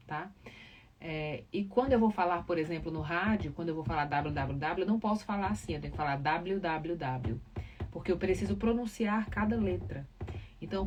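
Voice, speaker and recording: A woman's voice: on the low side, a little mellow. A woman with a Northeastern Brazilian accent from Ceará, explaining things informally and didactically to live viewers, stressing key words. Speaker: live podcast host, communication professional. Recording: distant mic, clear background noise.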